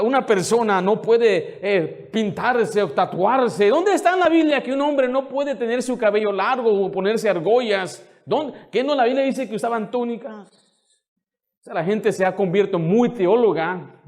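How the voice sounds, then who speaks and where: A pastor with a notably high, darkish voice preaches a sermon full of fervor and indignation. Scolding the congregation, he fires off one rhetorical question after another.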